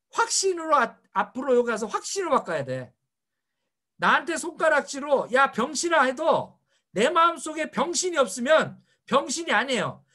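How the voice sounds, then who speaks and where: A man's voice: extremely high pitch, bright, forceful tone. A middle-aged man giving a motivational seminar lecture, firing rhetorical questions at his audience. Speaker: seminar speaker.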